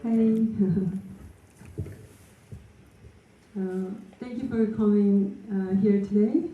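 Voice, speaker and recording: A woman's voice: medium pitch, fairly even intonation, extremely slow. A young woman from South Korea with a Korean accent, giving a lecture in English with many fillers and frequent laughs. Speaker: guest lecturer. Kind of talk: lecture to a live audience. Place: lecture room. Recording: tinny phone-like sound in an echoey room.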